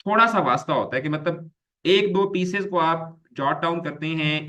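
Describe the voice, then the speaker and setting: A man's voice: a little high, sharp tone. A man teaching an online grammar lecture, explaining patiently, repeating key terms and mixing English words into his explanations.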